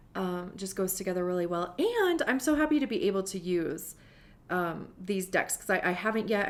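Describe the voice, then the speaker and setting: A woman with a medium pitch talks fairly quickly, her pitch varying in an ordinary way. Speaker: tarot reader. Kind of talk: casual chat; tarot reading. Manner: halting, many fillers.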